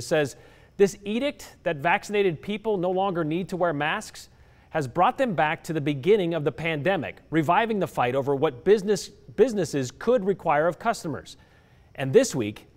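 A middle-aged man delivers a scripted TV news report in a studio with an emphatic anchor style. His voice is a little high, wears a lapel mic, and sounds as if it's in a large hall.

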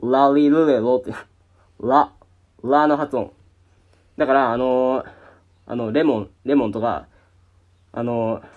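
A man's voice: mid-range voice, darkish tone. A young man with a Kansai accent hosting a casual question-and-answer vlog, rambling with many fillers and restarts. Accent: Kansai Japanese. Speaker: YouTube channel host.

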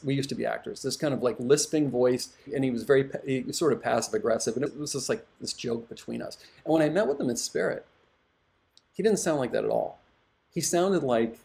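A middle-aged man, a hypnotherapist, giving calm, reflective advice to viewers. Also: medium pitch.

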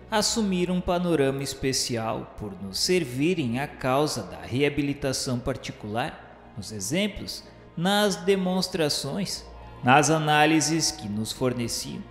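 A man narrates a spiritual radio novel in a reverent, literary manner. His mid-pitched voice is measured and formal. It rings with long reverb, and music plays faintly behind him.

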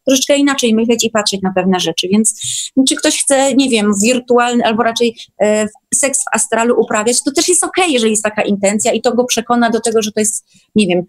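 A woman's voice: fairly high pitch, brisk. A woman talking casually as a guest in an online discussion, often repeating words for emphasis. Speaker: guest, workshop participant.

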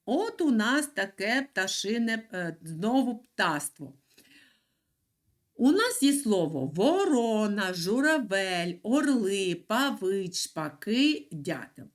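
A middle-aged woman teaches a class of young children. Her voice swoops up and down in a lively, sing-song way, stretching out each key syllable as she explains. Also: medium pitch, takes it slowly. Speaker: primary school teacher. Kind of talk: recorded lesson for children.

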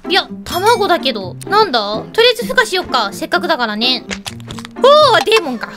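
A woman's voice sits extremely high and bounces all over the place, bubbly and exclaiming as she chats through a let's-play with a lilt. Loud game music plays right behind her. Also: wildly swooping pitch, brisk. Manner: bubbly, exclaiming, chatting to her pets and viewers. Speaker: gaming YouTuber. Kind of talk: excited Minecraft let's-play commentary.

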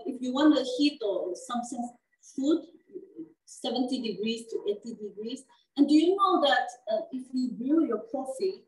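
A woman hosting a cooking demonstration, explaining each step casually with many fillers and frequent "okay?" checks. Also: sits high. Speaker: cooking show host. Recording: echoey room, mic at a distance.

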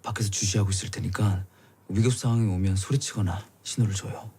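A man's voice: low-pitched, fairly even intonation, fast talker, mellow, a little hiss or hum. An actor playing a composed, insistent male police negotiator in a crime drama, speaking in a firm, urgent, articulate way. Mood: controlled. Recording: dramatic music behind the voice.

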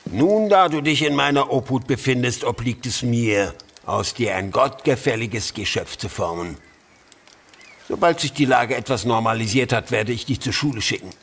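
A man's voice: mid-range voice, normal speed, creaky, a bit bright. A man playing a cold-hearted, pious, middle-aged uncle and guardian in an audio drama, commanding and pompous. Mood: stern, pompous. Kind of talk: German audio drama acting.

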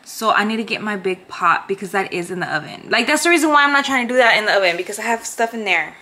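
Speaking fast with lively intonation, a young woman from Houston, Texas, chats informally to her vlog audience as she cooks in her home kitchen. She's a young adult with a mid-range, pushed, bright voice, recorded on a handheld or counter-set camera.

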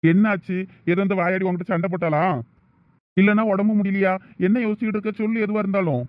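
Man for a protective, lecturing young villager, Thoothukudi Tamil, very fast talker. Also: sits high, level tone, no echo, phone-quality sound, lightly acted. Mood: concerned. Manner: brisk, teasing, lecturing.

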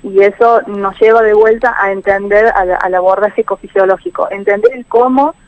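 A woman's voice: mid-range voice, fairly even intonation, normal speed. Hesitant woman on a phone line. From Argentina. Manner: hesitant, many fillers and restarts. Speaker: agronomist guest.

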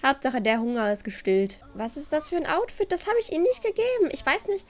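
Chatty German-speaking woman gamer, slightly high. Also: a little fast. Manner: chatty and exasperated, sprinkles in English words. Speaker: gaming YouTuber. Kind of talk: casual let's-play commentary.

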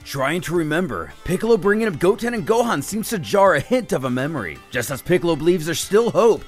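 A man narrates a dramatic story recap in a fairly high voice. His delivery is emphatic and theatrical, with very lively swings in pitch, over background music. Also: a little fast. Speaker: narrator of a fan manga recap.

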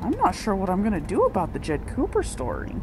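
A woman's voice: mid-range voice, huge pitch swings, fast talker. A woman playing a stubborn, inquisitive young investigator in a radio drama, earnest and conversational. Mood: troubled. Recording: clear background ambience noise.

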